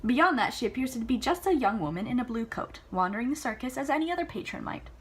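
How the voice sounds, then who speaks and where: A woman reading a novel aloud in an enthusiastic, chatty way, adding casual asides and reactions, with a husky voice. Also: a little high, big pitch swings, fast. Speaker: amateur book reader.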